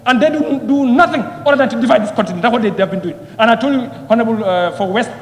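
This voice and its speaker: A man's voice: very high voice, racing. A man giving an impassioned parliamentary speech, repeating phrases and firing rhetorical questions. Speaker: member of parliament. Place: parliament chamber. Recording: echoey hall with long reverb.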